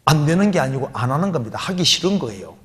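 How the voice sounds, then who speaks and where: A man's voice: on the high side, very animated, quick pace, fairly bright tone. A man preaching as a pastor, answering a listener's question, posing rhetorical questions and repeating his key words. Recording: long hall reverb.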